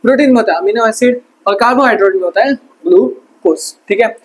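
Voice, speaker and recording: Breathy man quizzing through a revision lesson. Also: high voice, poor audio. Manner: quizzes himself with quick call-and-response questions; casual, chatty teaching with mnemonic tricks. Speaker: science tutor.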